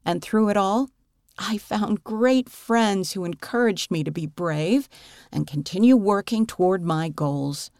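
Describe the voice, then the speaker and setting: A woman reading a magazine article aloud as scripted narration, earnest and measured. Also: mid-range voice, darkish tone, dry recording, clean studio sound.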